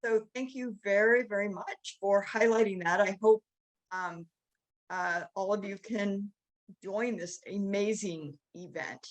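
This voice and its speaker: A woman hosting a show in an enthusiastic, casual way, often pausing with ums. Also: medium pitch. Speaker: show host. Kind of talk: casual chat.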